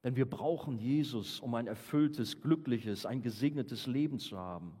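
A man preaching a sermon, earnest, rising for emphasis and slowing down to read scripture aloud. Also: medium pitch, warm tone, slightly rough. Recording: hall with long reverb.

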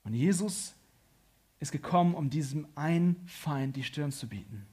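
Husky man preaching with rising intensity. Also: animated, normal speed, mellow. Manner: preaching with strong surges in pitch and volume. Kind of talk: sermon.

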